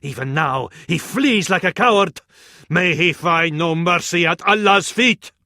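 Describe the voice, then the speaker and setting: High-voiced, fervent Arab battlefield advisor. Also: male voice, lively intonation, a little slow, sharp tone, no room sound, studio quality, heavily acted. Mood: scornful. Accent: Arabic. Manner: ornate, dramatic, proverb-laden delivery. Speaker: military advisor in a strategy game. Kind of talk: theatrical video game voice acting.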